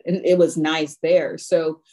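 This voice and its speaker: A woman from Haiti speaks as a guest on a podcast, recalling the past in a reflective, halting way. Her voice is somewhat low, and she pauses often with ums and restarts as she gathers her thoughts. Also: level tone, dark tone. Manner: thoughtful, halting recollection with many fillers. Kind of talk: casual chat.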